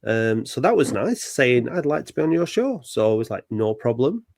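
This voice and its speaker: A man's voice: medium pitch, sing-song, normal speed, gravelly, a little mellow, no room sound, studio quality. Chatty man hosting a podcast. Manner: chatty, bantering. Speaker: podcast host. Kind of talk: casual football podcast chat.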